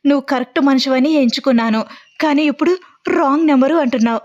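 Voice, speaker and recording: A woman's voice: high voice, quick pace, a little mellow, voice pushed up, natural voice. A woman voicing a mischievous young woman who fakes tearful heartbreak on a prank call. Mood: melodramatic. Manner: melodramatic, teasing, tearful. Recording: dull lo-fi audio.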